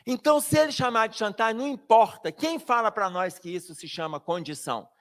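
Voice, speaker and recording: A man's voice: sits high, a little fast. A man giving a spirited public lecture at a spiritist book fair, joking and talking straight to the audience. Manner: animated, jokey, addresses the audience directly. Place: lecture hall.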